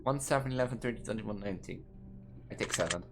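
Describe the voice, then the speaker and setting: A young trans woman with a Dutch accent, reading quiz questions aloud and answering them in a rambling, halting way that restarts words mid-sentence, from her student apartment. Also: a bass voice, creaky, noisy background. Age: young adult. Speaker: gaming video creator.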